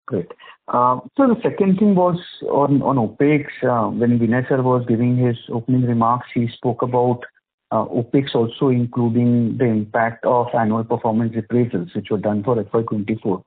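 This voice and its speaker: Male financial analyst, Indian accent. Husky voice, halting roundabout questions, low-fi phone conference sound. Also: steady tone, phone-quality sound. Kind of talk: earnings call questioning. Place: telephone conference call.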